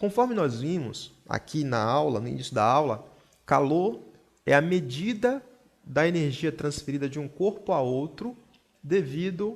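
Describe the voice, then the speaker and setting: This man speaks with a Bahian accent at a fairly slow pace. His pitch sits fairly high for a man. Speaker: physics teacher. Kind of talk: live online lecture. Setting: live stream.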